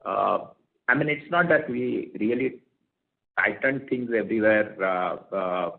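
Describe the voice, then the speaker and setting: A man, a company executive answering questions on an earnings call in halting phrases with repeated words. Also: lowish voice, gravelly. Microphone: telephone conference call. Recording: tinny narrowband conference phone line.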